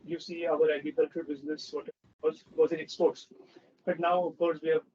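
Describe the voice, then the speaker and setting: A man's voice: a little high, little pitch movement, brisk, a little mellow. A man with an Indian accent, a company executive explaining the business spontaneously on a conference call. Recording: dull, noisy conference call audio.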